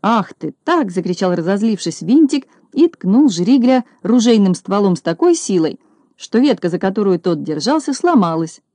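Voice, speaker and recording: A woman narrating a children's storybook, steady and expressive. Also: medium pitch, moderate pace, dry recording. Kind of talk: storybook reading.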